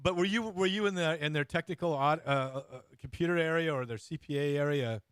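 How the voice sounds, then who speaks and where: A man's voice: fairly high pitch, a bit bright, clear, resonant tone, no room sound. Bantering man hosting, close dry sound. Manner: informal, bantering, halting phrasing. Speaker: interview host. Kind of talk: casual, jokey chat.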